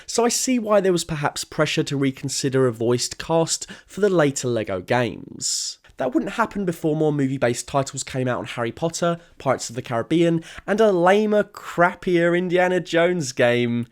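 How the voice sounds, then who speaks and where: A man presents a scripted video essay with a fairly high voice and very lively intonation. He is informal and opinionated, leaning hard on the words he cares about. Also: normal speed, hardly any pauses.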